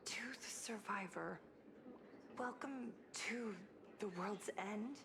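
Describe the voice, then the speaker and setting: A woman's voice: mid-range voice, slow pace, creaky, noisy background. A woman playing a haunted, grieving young survivor in a dramatic video game. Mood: frightened, confused.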